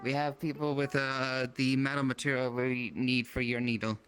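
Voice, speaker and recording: A man's voice: mid-range voice, level tone, normal speed, a bit bright, clean tone. A man speaking in character as a player in an online game roleplay.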